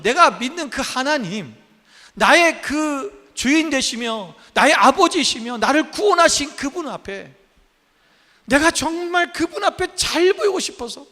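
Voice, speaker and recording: A pastor in his fifties preaches to his congregation with a high, bright voice. His pitch swings widely and he keeps firing questions at the listeners. The sound rings with a long church-hall reverb. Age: 50s. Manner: emphatic, asks the congregation many questions. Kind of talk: sermon. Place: church sanctuary.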